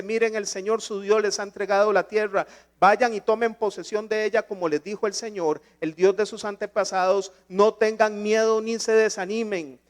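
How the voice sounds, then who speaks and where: High-voiced man preaching a sermon. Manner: preaching with rhetorical questions and emphatic rises. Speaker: pastor. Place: church.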